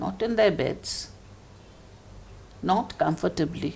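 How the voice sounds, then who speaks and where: A woman talks at a very slow pace with vocal fry. Her pitch is medium and her intonation lively. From India. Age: 70s. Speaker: bereaved mother of a fallen army officer. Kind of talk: interview.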